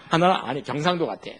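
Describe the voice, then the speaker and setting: A male pastor preaching a sermon in an animated, humorous way, full of rhetorical questions. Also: a little high, slightly rough.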